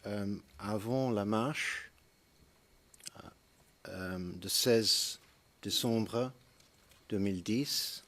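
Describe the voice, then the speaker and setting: A man's voice: fairly low pitch, drawn-out words, long pauses, a bit bright. A man cross-examining a witness in a courtroom, asking pointed leading questions.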